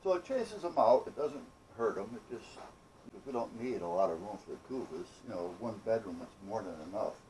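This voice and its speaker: Male DIY vlogger, low mellow voice, folksy off-the-cuff storytelling, light ambient noise behind. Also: expressive, normal speed, low-quality recording. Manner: folksy, salty-tongued, conversational. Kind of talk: casual rambling storytelling.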